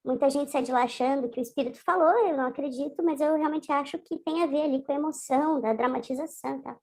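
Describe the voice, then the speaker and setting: A woman's voice: sits high, fast, darkish tone. Woman speaking through a voice changer. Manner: conversational, hesitant, with frequent restarts and tag questions. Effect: voice changer disguising the voice. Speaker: interview guest. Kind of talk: casual recounting in a video interview.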